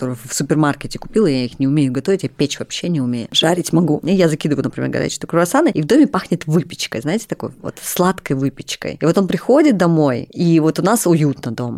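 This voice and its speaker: A woman with a very deep, low pitch rushes along at a very fast pace with hardly any pauses and lively intonation, in a dry, close sound with no echo. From Kyrgyzstan (Bishkek). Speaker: interior design entrepreneur. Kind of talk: casual interview.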